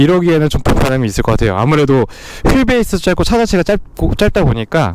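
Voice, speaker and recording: Noticeable background noise sits behind a man speaking at a very fast pace. His pitch swings very widely. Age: 30s. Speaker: office worker, car owner. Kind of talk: interview answer.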